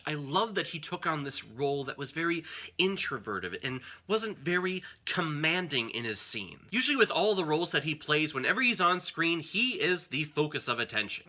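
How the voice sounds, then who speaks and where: A man's voice: a little high, sharp tone. A man hosting a film review vlog, talking to viewers in a gushing, emphatic way. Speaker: film reviewer and channel host. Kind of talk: enthusiastic movie review vlog addressed to viewers.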